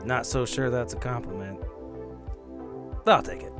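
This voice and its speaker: A weary, guarded man in mourning, as a player acts him out, speaks at an average male pitch. He is bitter and dryly wry, a hard-drinking avenger in a tabletop story, with music faintly underneath. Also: moderate pace, natural voice. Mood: wary, wry.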